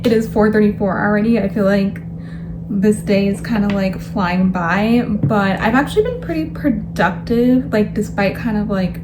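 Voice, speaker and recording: A young woman talks to her camera in a loose, rambling way, leaning on fillers as she goes. Her voice is rough and a little stuffy from a cold. She sits at an ordinary, middle pitch. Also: moderate pace, background noise. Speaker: vlogger. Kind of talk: casual chat to camera.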